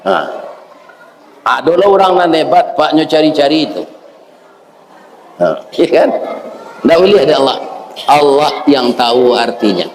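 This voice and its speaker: A man with a Minangkabau accent delivers a sermon at an unhurried pace, his voice sitting a little high. He talks in a homely, folksy way, addressing the congregation directly. The recording carries a long, roomy echo from a large hall. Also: very animated. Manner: folksy, addresses listeners as "Pak", asks "ya kan?". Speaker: preacher. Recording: echoey hall with faint ambient noise.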